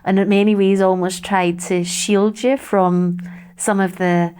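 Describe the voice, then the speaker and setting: A woman's voice: mid-range voice, steady tone, measured pace, darkish tone, smooth. A woman hosting a casual conversation, reflecting on what guests say and asking follow-up questions.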